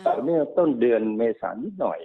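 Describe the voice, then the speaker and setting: A man working as a stock market analyst, explaining market cycles quickly and repeating himself, often checking that the listener follows. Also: medium pitch, big pitch swings. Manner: fast, repetitive explaining, often checks understanding. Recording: narrow phone-like sound.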